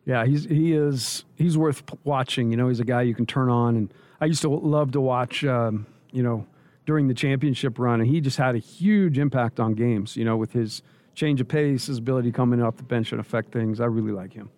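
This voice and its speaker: A man who used to coach, giving relaxed basketball analysis and joking on a postgame radio show. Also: mid-range voice, brisk, no echo.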